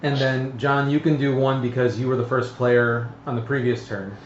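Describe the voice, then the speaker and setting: A man explaining board game rules to a group in a halting, casual way. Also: medium pitch, level tone. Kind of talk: casual tabletop game chat with rules reading. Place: indoor room, group around a game table. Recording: roomy, dull lo-fi live stream with noise.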